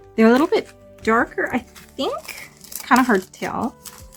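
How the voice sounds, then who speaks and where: A woman speaks at a moderate pace in a relaxed tone, her high voice making very wide pitch swings. Music plays in the background. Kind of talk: casual talk to camera. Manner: chatty, relaxed.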